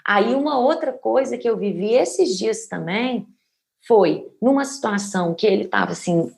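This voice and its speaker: A woman from Brazil talks through her thoughts in a relaxed podcast chat. She speaks reflectively and keeps checking in with small tag questions as she goes. Her tone stays conversational and searching. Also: medium pitch, moderate pace, vocal fry. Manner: thoughtful, searching for words, many "né?" tags. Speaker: podcast co-host.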